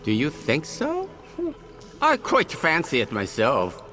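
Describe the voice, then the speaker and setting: A man's voice: a little high, huge pitch swings, slow pace, bright, forceful tone, soft background music, heavily acted. An actor playing an eccentric, cheerful old male jeweler in a video game, stammering and chuckling as he talks. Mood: chuckling, eager. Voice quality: giggly, stammering, fussy.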